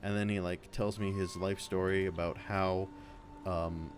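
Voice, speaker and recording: Low-voiced young man telling a casual story. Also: flat delivery, measured pace. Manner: rambling, conversational, quotes others. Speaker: let's play host.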